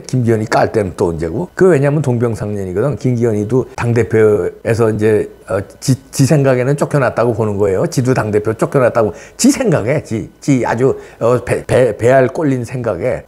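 A middle-aged man, a political commentator, ranting angrily and scornfully, scolding and mocking with sudden drops and jumps in his voice. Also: husky. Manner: scolding, mocking, shouts insults and swings wildly up and down in pitch. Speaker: political commentator, channel host. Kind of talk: angry political rant to camera.

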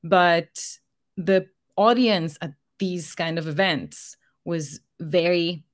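A woman whose first language is Spanish talks as a podcast guest in a casual, conversational way. Her voice sits a little low. She speaks into a studio microphone in a small room at home. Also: takes it slowly. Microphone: studio condenser mic on boom arm, headphones.

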